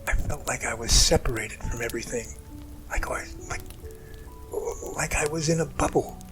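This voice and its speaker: A man acting in an amateur audio drama as an emotional man haltingly recounting a rescue that overwhelmed him. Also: mid-range voice, over music, close to an everyday voice, rough recording. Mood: shaken, intense.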